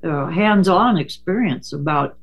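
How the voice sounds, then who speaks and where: A Native American man hosting a casual radio talk, speaking haltingly with many fillers and hesitations. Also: fairly high pitch, expressive, gravelly.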